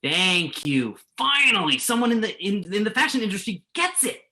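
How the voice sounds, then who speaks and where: Male journalist, acted by a man, stage drama reading: bright, expressive pitch, blunt, hesitant, wounded pride. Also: moderate pace, exaggerated voice. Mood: warming. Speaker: actor in a virtual staged reading. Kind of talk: naturalistic play reading.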